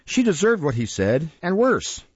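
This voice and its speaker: A man voicing a sharp, overwrought, spiteful undertaker's wife in an audiobook, full of indignant exclamation. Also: medium pitch, wildly swooping pitch, moderate pace, breathy edge, dry recording, dull audio, pitched above the performer's own voice. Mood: spiteful, scolding.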